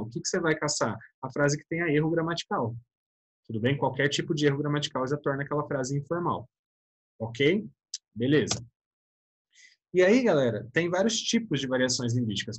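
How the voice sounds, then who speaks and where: A Brazilian man in middle age gives a relaxed online class. His voice is a little husky and sits at an ordinary pitch. He talks in a loose, chatty way and keeps checking in with the students. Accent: Brazilian Portuguese. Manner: chatty, keeps adding "né?" and addressing students as "galera". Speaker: teacher. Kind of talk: casual online class lecture.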